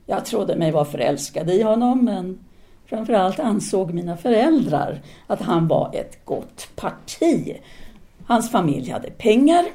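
An actress plays a self-assured woman of ideas in an audio drama. Her voice is mellow and relaxed at a medium pitch. She speaks deliberately and frankly, with a teasing, seductive edge and a lecturer's certainty. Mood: reflective, candid. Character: self-assured, seductive intellectual Frenchwoman, outspoken feminist free thinker.

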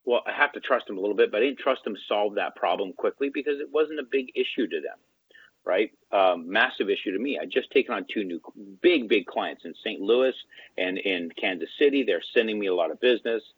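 Brisk and breathy-edged, a lowish male voice tells a story as a guest in an interview, keeping it casual. He animatedly performs each line of quoted dialogue, heard over a dry, tinny phone line.

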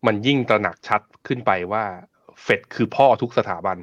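A man's voice: on the low side, brisk, a bit bright, no echo. A man hosts a casual live finance talk show. He talks bluntly and jokes with his guest. His voice is close and dry, with slightly muffled, lo-fi sound. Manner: conversational, blunt and joking. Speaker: host.

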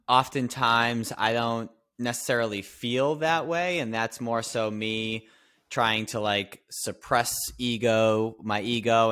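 A man with a low, smooth, resonant voice, answering interview questions in a modest, reflective way. The sound is dry and close, with no room around it. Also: fairly bright tone, dry recording. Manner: modest, reflective, thinks aloud. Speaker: podcast guest, business coach.

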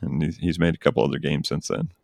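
A man's voice: extremely low pitch, steady tone, fast, gravelly, darkish tone, dry recording. A man hosting a podcast, chatting casually and enthusiastically about games he recommends. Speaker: podcast host. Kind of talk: casual chat.

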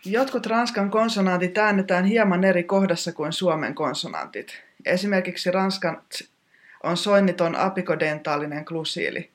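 Precise, technical pronunciation teacher. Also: mid-range voice. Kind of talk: scripted pronunciation lesson.

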